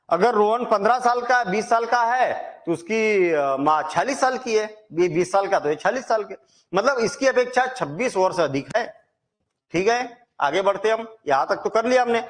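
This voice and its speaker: A man teaching a maths lesson, chatty and reassuring, asking questions and answering them himself. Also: high voice.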